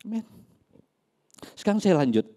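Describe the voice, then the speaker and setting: A pastor preaching a sermon in church, swinging between loud emphasis and soft asides. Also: male voice, high voice, sing-song, moderate pace.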